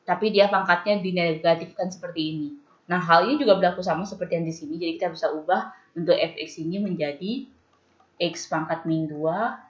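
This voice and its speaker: A young woman tutoring a calculus problem step by step, patient and slowing down when she reads out formulas. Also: on the low side. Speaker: math tutor. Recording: echoey room, dull lo-fi sound.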